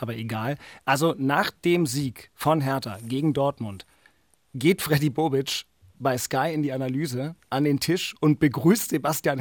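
Hoarse man hosting a podcast. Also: mid-range voice, dry recording, clean studio sound. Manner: joking, loose moderating with fillers. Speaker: podcast host. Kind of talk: casual podcast chat.

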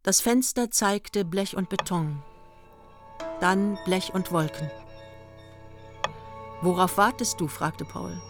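A woman narrating a literary radio play in a measured, matter-of-fact storytelling manner. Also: on the low side. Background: music.

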